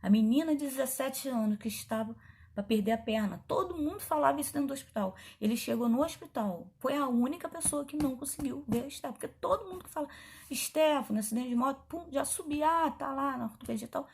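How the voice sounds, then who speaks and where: A middle-aged woman pastor, telling her testimony in a chatty, animated way, acting out the dialogue as she goes. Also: high voice, quick pace. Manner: animated, chatty, frequent asides and quoted dialogue. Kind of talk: testimony storytelling.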